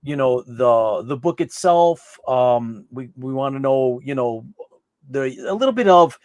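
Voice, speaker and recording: A man's voice: medium pitch, lively intonation, unhurried, darkish tone, no echo, highs cut off. A man hosting a live online interview show, chatty, often repeating words and restarting his sentences. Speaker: host.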